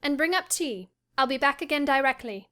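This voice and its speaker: Breathless high young lady, read by a female narrator: eager, impulsive. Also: animated, fairly quick, sharp tone. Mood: brisk. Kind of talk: audiobook character voice.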